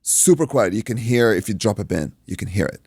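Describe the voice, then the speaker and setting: A man with a low, creaky voice, recorded close and dry, spins a story in loose conversational style. He is from Iraq and speaks Arabic natively. He acts out people's dialogue and peppers it with swearing and "dude". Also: lively intonation, fairly quick, a little mellow, no room sound. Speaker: podcast guest, martial arts coach and stunt performer. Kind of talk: animated anecdote in casual chat.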